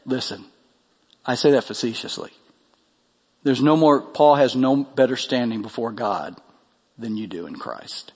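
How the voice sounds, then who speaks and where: A man's voice: medium pitch, a little slow, pauses often, breathy edge, in a large hall. A pastor preaching a sermon with earnest delivery, his voice climbing when he reads scripture.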